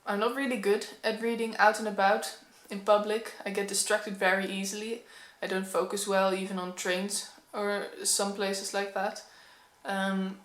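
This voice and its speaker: A woman's voice: mid-range voice, fairly bright tone. A young woman from the Netherlands with a Dutch accent, chatting candidly to a camera at home, a little nervous and with frequent ums. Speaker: book vlogger. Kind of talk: casual talking-to-camera vlog. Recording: echoey room.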